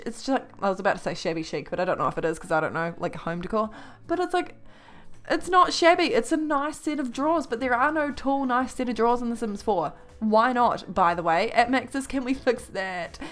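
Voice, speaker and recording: High-voiced young woman, rambling and chatty. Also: a bit bright. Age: young adult. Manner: rambling, self-deprecating, blunt with mild swearing. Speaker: YouTube gaming host. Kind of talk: casual chatty build commentary. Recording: music behind the voice. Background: music.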